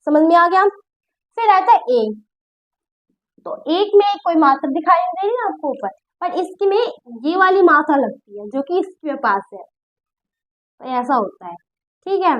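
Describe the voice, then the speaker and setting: Bright high-voiced woman teaching grammar. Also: expressive, measured pace, long pauses, lo-fi sound. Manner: patient, repeats points and checks understanding. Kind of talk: classroom-style lesson explaining at a board.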